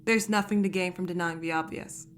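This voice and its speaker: A woman's voice: lowish voice, steady tone, fairly quick, slight background noise, close to an everyday voice. A woman voicing a breezy, sardonic, teasing rogue in an audio drama, wry and offhand. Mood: flippant.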